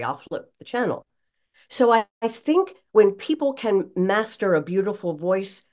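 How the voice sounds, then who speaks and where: An older American woman, a broadcast voice coach being interviewed, speaking in an emphatic, polished, conversational way with deliberate phrasing. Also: mid-range voice, darkish tone, muffled recording. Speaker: broadcast voice coach, podcast guest.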